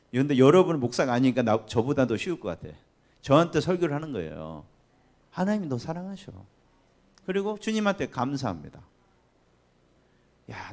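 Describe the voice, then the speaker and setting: A male pastor delivering a Sunday sermon in a church sanctuary. His pitch swings widely as he preaches. He keeps turning to the congregation with questions. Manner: animated, often acting out quoted voices and asking the congregation questions.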